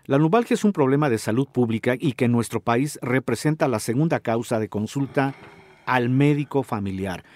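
A middle-aged man with a Mexican accent hosting a health talk show as a doctor, explaining calmly and asking the listener questions. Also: medium pitch, no room sound, studio quality. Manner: didactic, addresses listener directly with questions. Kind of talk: informative radio talk.

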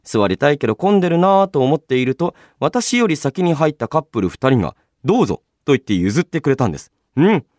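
A man hosting a casual solo radio show, chatting and reading out listener mail in a polite but chatty, animated way. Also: a little high, quick pace, few pauses, no room sound, studio quality. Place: radio studio, dry sound.

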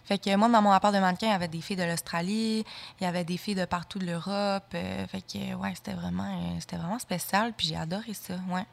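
Young woman, Québécois accent, chatty, filler-heavy casual talk, mid-pitched voice. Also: steady tone, fast, vocal fry. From Saguenay, Quebec. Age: young adult. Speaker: guest, fashion model. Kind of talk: casual interview chat.

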